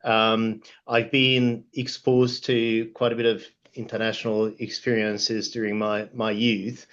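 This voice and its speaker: A middle-aged man with a Hungarian accent speaks formally and hesitantly, in a measured way, as a panelist. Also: on the low side, flat delivery. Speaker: panelist, law firm partner. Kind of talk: panel discussion, career account. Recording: dull, muffled lo-fi sound.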